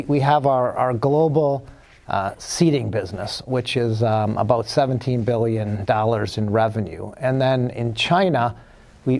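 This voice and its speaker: A man guest on an interview show, speaking with a gravelly, creaky edge. He talks in a hesitant way, full of fillers and restarted phrases. His pitch sits in an ordinary middle range. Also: a little mellow. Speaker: company executive guest. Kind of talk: casual interview answers.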